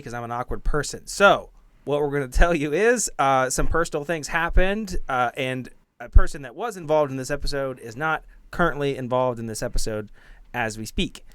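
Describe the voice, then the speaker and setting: A man narrating a tabletop game as game master in an informal, halting, self-deprecating way, improvising as he goes. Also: medium pitch, fairly bright tone, smooth, dry recording. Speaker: game master and podcast host. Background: background music.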